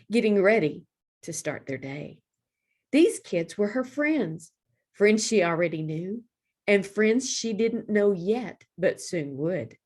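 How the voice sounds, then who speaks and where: A woman reading aloud for young children as a librarian, with deliberate, expressive phrasing. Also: mid-range voice.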